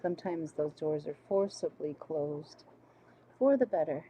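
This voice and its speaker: A woman with a small, squeaky voice hosting a casual livestream, chatting, laughing easily and reading viewer comments aloud. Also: lively intonation, measured pace, warm tone, a little hiss or hum. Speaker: livestream host. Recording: slightly muffled lo-fi stream audio.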